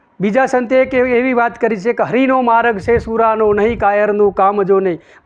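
The voice belongs to a man. It has ordinary pitch variation. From Gujarat, Gandhinagar district. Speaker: spiritual teacher of a sect. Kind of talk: religious discourse.

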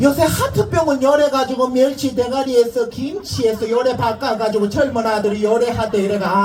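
A man with a Gyeongsang accent speaks at an extremely high pitch with ordinary pitch variation. Music plays in the background. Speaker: trot singer. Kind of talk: comic stage banter to a live audience. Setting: outdoor live stage.

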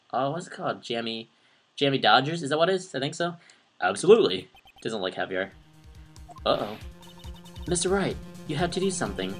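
With music in the background, a man talks at a very fast pace in a fairly high pitch, his pitch swinging very widely and his speech broken by long, frequent pauses. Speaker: let's play video game commentator. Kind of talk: casual video game commentary, reading game dialogue aloud.

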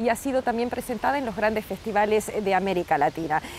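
A woman speaks with fairly high pitch and lively intonation, her dry, echo-free sound set against noticeable background noise. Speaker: TV show host. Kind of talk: TV interview host talk. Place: garden. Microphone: lapel.

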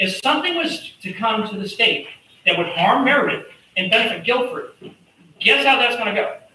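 A man's raised, projected voice at an extremely high pitch, lively in intonation and moderate in pace, with audible room echo and light background noise. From Massachusetts. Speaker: public hearing testifier. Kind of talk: public testimony. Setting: public hearing room. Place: hall. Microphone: camera far.

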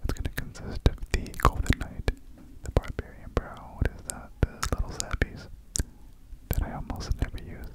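Someone whispers at a moderate pace, with long, frequent pauses. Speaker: ASMR gaming creator. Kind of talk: ASMR gaming commentary. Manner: whispered. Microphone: studio mic.

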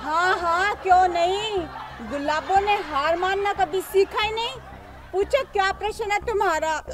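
A woman at a very slow pace over loud background noise, her pitch varying in an ordinary way. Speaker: comic lead in staged skit. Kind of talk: acted comedy dialogue. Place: open country.

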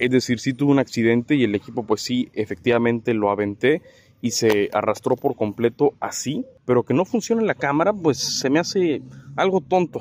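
A man in a Mexican accent, lively intonation and moderate pace, with dry, echo-free sound and light background noise. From Mexico. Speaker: tech reviewer. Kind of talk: product review. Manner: casual, conversational.

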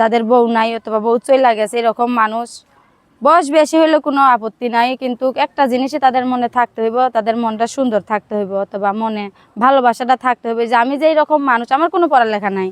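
A woman's high-pitched voice, dry and close with no echo, over a quiet background. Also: ordinary pitch variation. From Bangladesh, Dhaka area (Keraniganj). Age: 20s. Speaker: woman seeking marriage. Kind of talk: interview testimony.

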